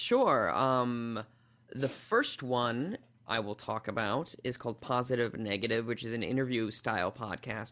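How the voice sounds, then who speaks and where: The recording is very clean, with a silent background. A man with an American accent speaks in a plain, everyday voice at a medium pitch with ordinary pitch variation. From Minnesota. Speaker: comedian. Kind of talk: casual chat.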